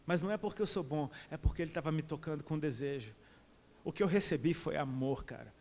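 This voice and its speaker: High-voiced Brazilian preacher in a reverberant hall. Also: male voice, quick pace, a little mellow. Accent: Brazilian Portuguese. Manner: impassioned, colloquial, calls listeners "cara". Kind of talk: sermon. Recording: long reverb of a large hall.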